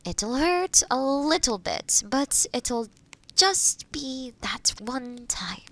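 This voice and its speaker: Kind fantasy witch, played by a woman: slightly high voice, unhurried, gentle, patient and a little hesitant, intimate roleplay delivery. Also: expressive, full character voice. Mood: reassuring. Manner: soft, caring, hesitant, explaining patiently. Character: kind, gentle forest witch brewing potions. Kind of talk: roleplay audio addressed to the listener.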